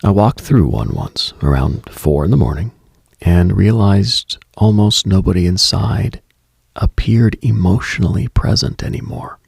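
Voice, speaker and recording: A man hosting late-night radio with a brooding, deliberate scripted monologue in a hushed, husky, gravelly voice. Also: low voice, lively intonation, dry recording, clean studio sound.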